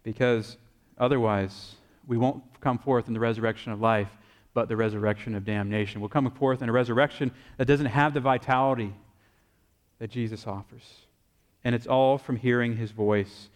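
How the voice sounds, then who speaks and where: A man's voice: mid-range voice, steady tone, normal speed. Earnest male pastor in a reverberant hall. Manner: earnest, pleading emphasis, repeats phrases. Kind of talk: sermon.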